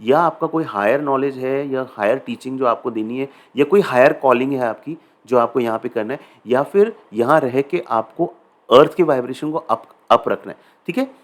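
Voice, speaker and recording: A man's voice: mid-range voice, normal speed. A man with an Indian accent giving a casual spiritual talk, chatty and conversational, mixing English phrases into his speech and often checking in with listeners. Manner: conversational, mixes English phrases into Hindi, often asks "ठीक है?". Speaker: spiritual teacher.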